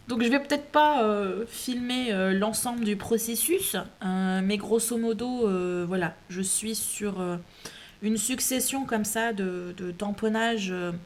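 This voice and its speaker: A woman's voice: medium pitch, a little hiss or hum. A woman hosting a casual craft tutorial at home, chatty, with many hesitations and restarts. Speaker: craft video host.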